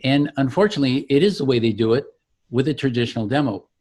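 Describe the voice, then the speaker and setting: A man's voice: medium pitch, fast talker, darkish tone. A man giving a conversational product demonstration as a company founder, explaining things with enthusiasm.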